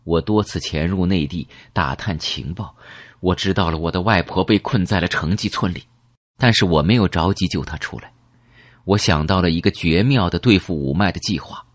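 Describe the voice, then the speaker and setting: A man voicing a ruthless, scheming young gang leader in an audiobook, confessing quickly and coldly. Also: sits low, no echo, studio quality.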